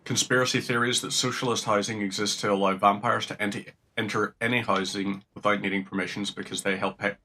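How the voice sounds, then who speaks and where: A man's voice: lowish voice, fairly even intonation, a little fast, bright, forceful tone. A young man casually commentating on a game, jokey and rambling, swearing now and then. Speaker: gaming streamer. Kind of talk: casual commentary while playing.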